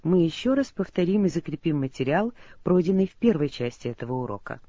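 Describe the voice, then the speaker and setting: A woman narrating a language lesson, giving clear instructions. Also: low-pitched, very animated, fast, dark tone. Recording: dull recording with faint music.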